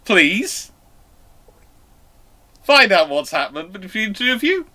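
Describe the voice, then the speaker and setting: A man's voice: high voice, very animated, slow pace, sharp tone. A man hosting a casual live panel discussion and answering questions in a conversational way. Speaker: host of a live naval history Q&A. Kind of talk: casual livestream panel chat.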